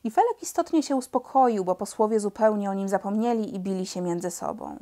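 A woman reads a children's chapter book aloud with lively, expressive storytelling. Her voice sits at a middle pitch, and she shifts her tone easily as the story moves along. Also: brisk. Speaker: audiobook reader.

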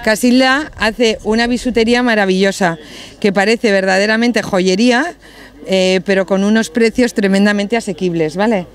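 A woman's voice: mid-range voice, normal speed. A woman organizing an outdoor market, presenting stalls casually with eager praise and frequent hesitations. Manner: enthusiastic, hesitant fillers, repeats words. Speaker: market organizer guiding the tour.

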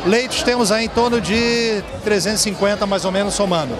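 A man's voice: high voice, fairly even intonation, a little fast, heavy background noise. Upbeat man with a Rio accent. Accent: Rio de Janeiro Portuguese. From Brazil. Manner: upbeat promotional, frequent "né?" tags. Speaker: hotel general manager. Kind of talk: red-carpet interview. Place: indoor event hall, crowded party. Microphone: handheld mic held by interviewer. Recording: music and crowd behind.

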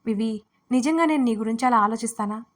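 A woman voicing a remorseful young man who pleads gently with the woman he loves, in a romance audio story. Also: on the high side, quick pace, close to an everyday voice. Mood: pleading.

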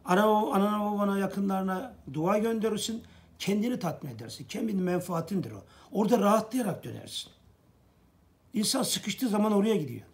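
A man's voice: high voice, expressive, a little fast. A middle-aged man gives an earnest, preachy fan monologue to camera, repeating phrases for emphasis. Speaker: football fan vlogger.

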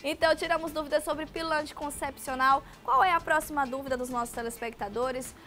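A woman's voice: sits high, fairly even intonation, fast, bright, forceful tone, faint music behind. A young woman with a Brazilian Portuguese accent hosting a live TV health segment, reading viewer questions and joking with her guest on a studio set. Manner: chatty, playful, laughs and jokes with guest. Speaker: TV show host. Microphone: handheld mic.

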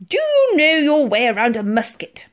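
A woman voicing a pompous, blustering old male ship's Admiral in a children's story, booming and spluttering. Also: huge pitch swings, a little slow, exaggerated voice. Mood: barking orders.

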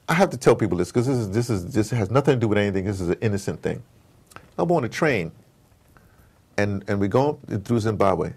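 This interview guest's voice is on the low side, with vocal fry and a breathy edge. He offers impassioned, informal political commentary through animated, emphatic storytelling, acting out dialogue and using slangy phrasing and rhetorical questions.

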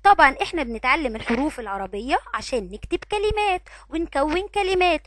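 Egyptian kindergarten teacher lady, high bouncy voice, stretches sounds out, dry close recording. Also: big pitch swings, a bit bright, no room sound. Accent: Egyptian Arabic. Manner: sing-song, drawn-out syllables with frequent praise. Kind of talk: recorded online lesson for young children.

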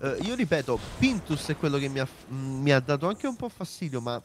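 Lively, teasing young-sounding male gamer. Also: medium pitch, a little fast, a little hiss or hum. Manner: teasing, playful. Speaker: co-player. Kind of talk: casual gaming chat.

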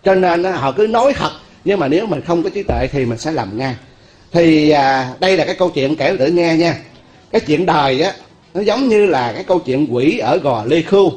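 A man's voice: on the high side, expressive, normal speed, darkish tone. A Buddhist monk with a Southern Vietnamese accent giving a sermon in a folksy way, often asking his listeners questions and chuckling.

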